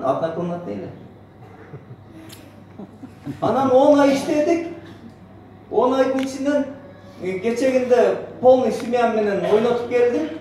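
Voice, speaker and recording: Male motivational speaker, middle-aged, Central Asian accent, high animated voice, emphatic, recorded from afar in an echoey hall. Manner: emphatic, boastful, rhetorical questions. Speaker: network marketing speaker, senior manager. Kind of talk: motivational presentation, mixing two languages. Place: on stage in a large hotel banquet hall. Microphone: far camera in the audience area. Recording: echoey hotel hall, distant, noisy.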